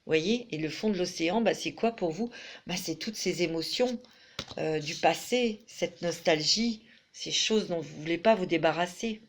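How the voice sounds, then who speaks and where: A woman's voice: on the low side, normal speed, slight background noise. A middle-aged woman giving a chatty tarot reading to camera, full of fillers and restarts. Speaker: tarot reader.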